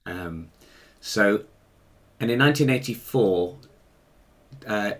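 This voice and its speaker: A man's voice: on the low side, lively intonation, slow, a bit bright. A man in his fifties with an English RP accent, telling personal stories conversationally in a hesitant, self-correcting way. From Africa and Ireland, later England. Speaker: interview guest, musician and choir director.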